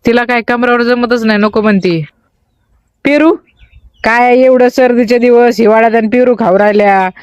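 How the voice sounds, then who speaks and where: A chatty woman, talking into her phone outdoors on a family farm. Her nose is stuffed up from a cold, yet she keeps narrating and breaking into high cooing for her baby. The sound is dry and close, with no room echo. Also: fairly even intonation, fairly quick, a little mellow, clear, resonant tone, dull audio. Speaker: family vlogger. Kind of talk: casual vlog narration.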